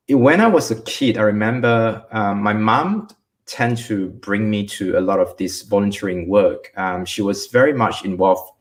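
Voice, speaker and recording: A young man from Malaysia, a guest in an online interview, speaking reflectively with many filler pauses. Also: sits low.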